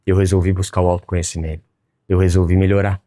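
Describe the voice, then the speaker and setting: A man's voice: low voice, little pitch movement, fast, dark tone, no room sound, clean studio sound. A man with a Brazilian accent telling a personal story in a blunt, profane, emphatic way, as a motivational speaker. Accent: Brazilian Portuguese. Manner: addresses viewers as "rapaziada". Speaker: online business educator.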